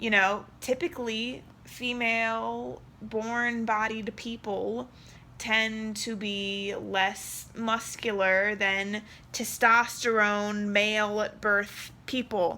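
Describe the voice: A woman in a Southern California accent, fairly high-pitched with a bright, sharp tone, fairly even intonation and a very slow pace. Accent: valley girl inflections.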